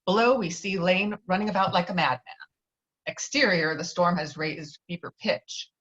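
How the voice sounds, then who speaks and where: Reading screenplay stage directions at an informal table read, a woman sometimes trips over words and corrects herself. Her voice is on the low side and fairly bright, at a normal speed, heard through dull, lo-fi online call audio.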